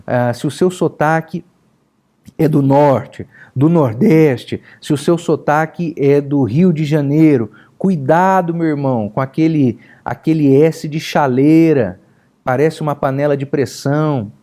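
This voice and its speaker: A man from São Paulo state, Brazil, with a countryside São Paulo accent, teaching a lesson on preaching as a pastor in a lively, emphatic way. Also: measured pace. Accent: São Paulo countryside Brazilian Portuguese. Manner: lively and emphatic, with sudden pitch jumps. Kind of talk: recorded lesson.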